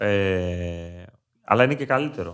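A man with a fairly low pitch speaks in a plain, everyday voice. His pitch varies in an ordinary way, on a very clean recording with a silent background. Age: 30s. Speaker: football coach. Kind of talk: casual chat.

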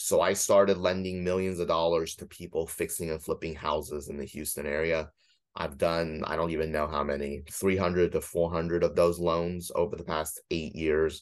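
A man's very deep, low voice, monotone and flat, against a quiet background. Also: moderate pace. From China, raised in US small town from age six. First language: Chinese. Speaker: real estate lender and investor. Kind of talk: podcast interview.

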